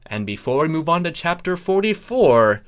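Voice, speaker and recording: A man's voice: fairly high pitch, big pitch swings, clear, resonant tone. A man reading comic fiction aloud as narrator, theatrical and mock-grave in his delivery. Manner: mock-grave, dramatic, deliberate.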